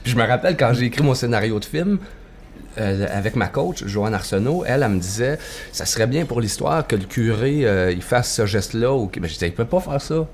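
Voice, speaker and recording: A man's voice: mid-range voice, lively intonation, a little fast, a little hiss or hum. A man with a Québécois French accent, speaking as a storyteller guest in a casual conversation. He talks in an easygoing, folksy way with loose fillers.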